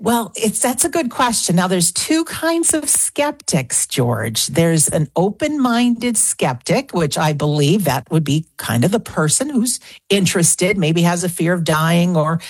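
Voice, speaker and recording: A woman's voice: fairly low pitch, sing-song, measured pace, breathy edge, dry recording. A woman in her sixties, a guest on a radio interview, talking earnestly and piling up examples. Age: 60s. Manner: earnest, talks in lists and repeats phrases. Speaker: guest author.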